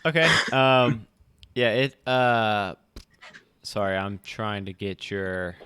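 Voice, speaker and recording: A man's voice: lowish voice, slow pace, fairly bright tone, smooth, no room sound. A man running a tabletop game as game master, narrating casually and thinking aloud with some hesitation.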